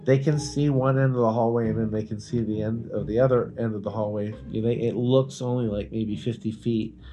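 A man's voice: on the low side, steady tone, fairly quick, dark tone. A man co-hosting a podcast, telling stories in a casual, emphatic, informal way and swearing freely. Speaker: podcast co-host. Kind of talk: casual banter and storytelling.

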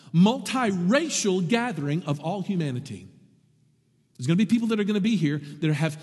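A man preaching a sermon to his congregation, lively and animated, with wry asides. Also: on the high side, slightly rough, big-room sound. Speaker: pastor.

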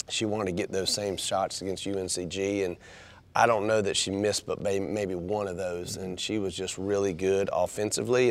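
A man, a basketball coach talking in a radio interview, halting and repeating words as he goes. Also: deep voice. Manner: halting, repeats words, warms up when telling stories. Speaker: women's basketball head coach.

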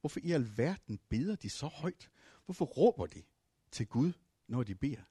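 Husky preacher swinging loud to soft. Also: male voice, mid-range voice, big pitch swings, dry recording, studio quality. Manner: dramatic swings from loud to hushed; storytelling with fillers and restarts. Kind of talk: sermon with travel stories.

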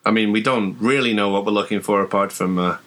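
A man's voice: lowish voice, quick pace, fairly bright tone. A man playing in a tabletop game, chatting and thinking aloud about the plan. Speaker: player. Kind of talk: casual chat at a tabletop game.

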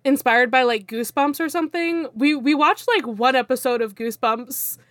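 High-voiced, laughing woman podcaster. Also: moderate pace, fairly bright tone, no echo, studio quality. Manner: casual, swearing, laughing. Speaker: podcast co-host. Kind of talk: casual chat.

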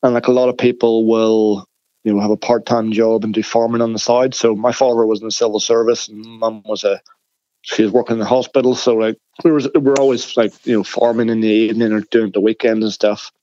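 A man's voice: fairly low pitch, level tone, fairly quick, dark tone, no echo. Chatty Northern Irish man, dry dull audio. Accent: Northern Irish, softened by years in New Zealand. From Northern Ireland. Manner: chatty, loose, many fillers like "like" and "sort of". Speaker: guest, farm machinery engineer. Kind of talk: casual interview chat.

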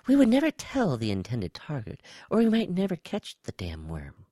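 Squeaky, swooping reptile alien spy. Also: male voice, huge pitch swings, moderate pace, dark tone, no echo, studio quality. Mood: casual, amused. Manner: lilting, nonchalant. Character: high-pitched reptilian alien spy, casual, sly intelligence officer.

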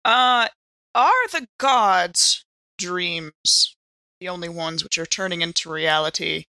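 A woman improvising in character as a tabletop game player, wordy and precise, with hesitant pauses. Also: fairly low pitch, bright, forceful tone, no echo.

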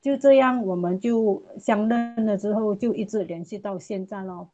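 Speaking at normal speed in a medium-pitched voice, a middle-aged woman from Malaysia gives her earnest, repetitive testimony as a mother, closing her phrases with soft particles. The recording is muffled, with faint music in the background.

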